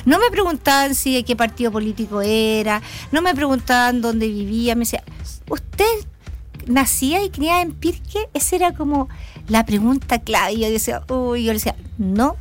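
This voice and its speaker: A woman's voice: fairly high pitch, expressive, moderate pace. A middle-aged woman, hosting a casual local talk show and putting questions to her guests. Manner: chatty, asks leading questions. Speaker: radio show host and town councillor.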